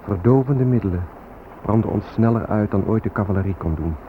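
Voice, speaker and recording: Man as bitter Native American, lowish voice, solemn, declamatory, radio drama, clearly noisy recording. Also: fairly quick, phone-quality sound, natural voice. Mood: elegiac. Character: proud, bitter Native American man, mourning lost land.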